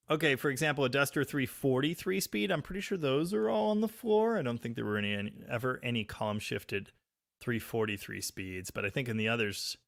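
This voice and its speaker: A man hosting a live stream, chatting casually and reading viewer comments, with a very loud voice recorded on a phone. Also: mid-range voice, vocal fry, no echo, studio quality. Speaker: livestream host reading chat. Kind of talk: casual live chat about cars. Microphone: phone microphone.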